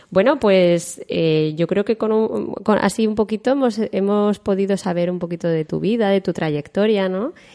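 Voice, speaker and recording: A woman with a Madrid accent speaks at a moderate pace with hardly any pauses. Her dark, mellow tone sits at a medium pitch with ordinary variation. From Spain, Madrid. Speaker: podcast host, Spanish teacher. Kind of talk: interview.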